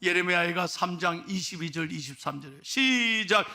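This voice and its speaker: A high-pitched, gravelly voice belongs to a middle-aged pastor, preaching to his church. His tone is bright and edged, and he drops to hushed storytelling before rising into loud exhortation. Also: lively intonation, normal speed. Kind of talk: sermon. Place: church sanctuary.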